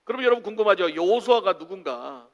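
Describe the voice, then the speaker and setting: A male pastor, preaching a sermon in an animated way and acting out the voices of people who complain. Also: high voice, fast talker, muffled recording. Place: church sanctuary. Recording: church sanctuary with long reverb.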